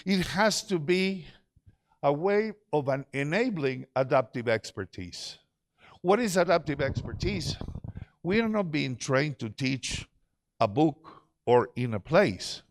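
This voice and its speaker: A man's voice: fairly high pitch, expressive, slow. A middle-aged man giving a conference presentation to teachers, engaging the audience with questions. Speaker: conference speaker.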